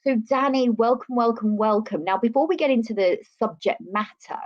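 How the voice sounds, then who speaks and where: A woman's voice: on the high side, normal speed, highs cut off. A woman co-hosting a live show in a chatty, effusive way, repeating words for emphasis. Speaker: show co-host.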